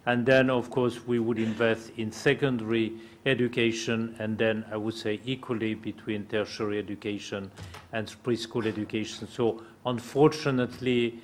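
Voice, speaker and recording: A man who works in refugee education, giving a halting, careful answer at a conference panel with many pauses. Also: on the low side, steady tone, slight background noise.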